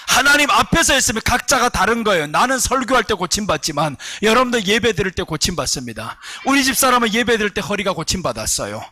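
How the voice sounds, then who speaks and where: A middle-aged man, a pastor, preaching a sermon in a church with animated storytelling, jumping between shouts and low asides. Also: no room sound.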